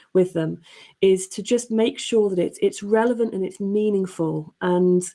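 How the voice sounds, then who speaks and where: Mellow-voiced woman on a panel. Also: medium pitch. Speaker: story editor, panelist. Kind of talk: panel discussion, explaining.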